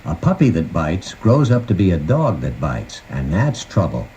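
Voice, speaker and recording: With a low, warm voice whose pitch swoops wildly, a man gives scripted, folksy, conversational instructions at a moderate pace. He hosts a puppy training guide tape, and the lo-fi sound comes from a noisy 1990 cassette transfer.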